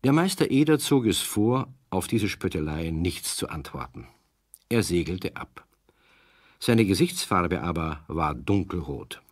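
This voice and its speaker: An actor as the calm, wryly sympathetic narrator of a children's audio play. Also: male voice, low-pitched, a little slow, no room sound, clean studio sound, full character voice. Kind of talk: scripted children's story narration.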